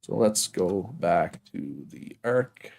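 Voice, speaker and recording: Deep-voiced man with Prince Edward Island accent. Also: animated, slow pace, gravelly, a little mellow. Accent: Prince Edward Island Canadian. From Prince Edward Island, Canada. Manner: rambling, often checks with "right?". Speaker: game livestreamer. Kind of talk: casual livestream chat with viewers.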